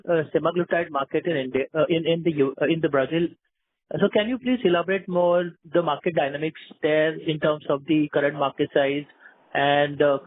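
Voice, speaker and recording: A man calling in as a financial analyst, asking questions politely and a little hesitantly. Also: on the high side. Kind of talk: asking questions on an earnings conference call. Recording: narrow telephone line.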